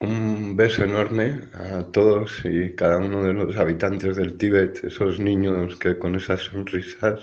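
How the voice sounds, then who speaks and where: In a Basque accent, a man talks with monotone, flat intonation at a fairly low pitch, with hardly any pauses. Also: fairly slow pace. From Spain, Basque Country. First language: Basque (speaking Spanish). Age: 50s. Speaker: radio host. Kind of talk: interview. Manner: halting.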